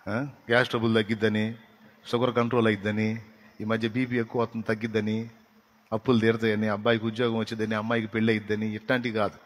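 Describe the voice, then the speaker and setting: A male pastor preaches a sermon and moves between soft asides and loud, emphatic lists. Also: lowish voice, level tone, quick pace, long reverb tail. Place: church prayer hall.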